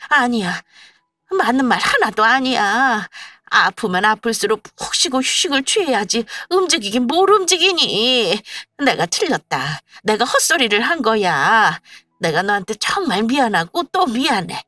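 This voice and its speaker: A woman's voice: on the high side, sing-song, moderate pace, sharp tone, no room sound, soft background music, full character voice. A woman voicing a nagging, stubborn older mother-in-law who talks in a whiny, complaining way, in a storybook radio tale. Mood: pleading.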